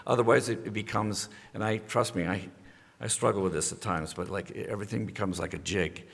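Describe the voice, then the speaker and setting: Low gravelly-voiced man giving critique. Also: fairly even intonation, brisk, long reverb tail. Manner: rambling, hesitant, full of restarts. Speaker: panel judge giving music feedback. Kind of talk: casual spoken critique.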